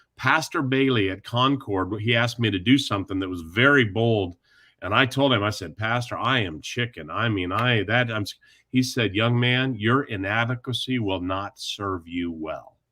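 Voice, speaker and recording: Using an ordinary speaking voice, a man talks at a moderate pace and medium pitch with ordinary pitch variation. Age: 60s. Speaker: guest speaker on fatherlessness. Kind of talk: casual talk show discussion.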